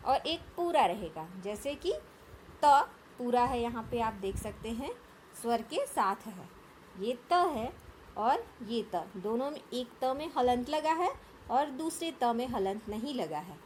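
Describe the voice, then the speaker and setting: A woman's voice: fairly high pitch, animated, a little slow, darkish tone, slight background noise. A woman teacher explaining a grammar lesson patiently, often asking the class questions and checking that they follow.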